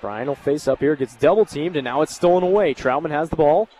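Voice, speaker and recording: Young guy calling a basketball game live, higher voice, some arena noise behind him. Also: a little fast, dark tone. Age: young adult. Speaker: play-by-play sportscaster. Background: basketball game ambience.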